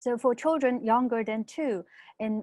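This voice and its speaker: Speaking with a Chinese accent, a woman keeps a moderate pace. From China, Shanghai. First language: Mandarin Chinese. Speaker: arts educator. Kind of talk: interview. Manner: halting, many fillers.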